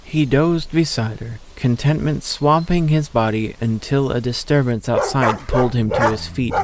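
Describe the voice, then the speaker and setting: A man's voice: mid-range voice, moderate pace, heavy background noise. A man narrating a scripted story in an audio drama.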